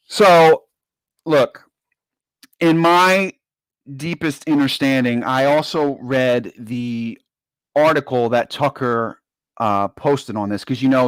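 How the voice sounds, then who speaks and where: A man with a medium-pitched voice gives informal commentary on a talk show. He speaks emphatically and repeats phrases for stress. The sound is dry, with little room in it. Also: no room sound. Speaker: guest commentator.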